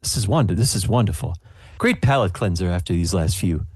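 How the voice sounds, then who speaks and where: A man's voice: low-pitched, lively intonation, a little fast, darkish tone, breathy edge, dry recording, studio quality. Genteel, gushing lady judge, voiced by a man. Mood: pleased. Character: gracious, refined female pie judge.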